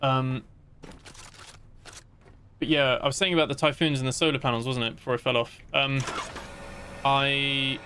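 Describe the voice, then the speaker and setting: Here a man livestreams a game and talks loosely to viewers, full of fillers and false starts. His voice is medium in pitch and sharp in tone, steady and at normal speed, with long pauses and a slight hiss or hum on the recording.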